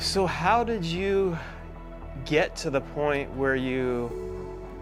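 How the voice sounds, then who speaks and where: Very slow speech from a man, music playing behind. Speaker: podcast host, author. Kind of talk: interview questions, casual conversation. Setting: studio.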